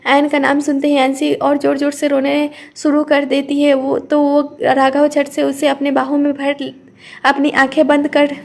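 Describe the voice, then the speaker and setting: A woman reading a romantic audio story aloud as narrator, steady with small slips and restarts. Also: high voice, moderate pace, gravelly.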